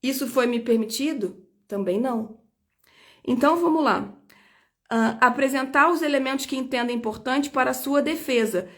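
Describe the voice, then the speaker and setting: A woman's voice: sits high, moderate pace, a bit bright. A woman lawyer speaking straight to her viewers about her own detention. She talks emphatically and indignantly, and repeats her points to drive them home. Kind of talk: personal video statement.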